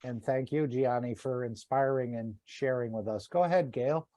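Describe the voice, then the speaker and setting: A man's voice: mid-range voice, moderate pace, dark tone, no room sound. A man hosting an online meeting, politely moderating and thanking the participants. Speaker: meeting host. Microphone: video call.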